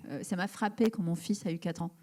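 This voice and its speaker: Thoughtful woman with a mellow voice. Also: on the low side, steady tone, fairly quick. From Algeria. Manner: thoughtful, many fillers and restarts. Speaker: writer, interview guest. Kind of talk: live public interview. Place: event hall before an audience.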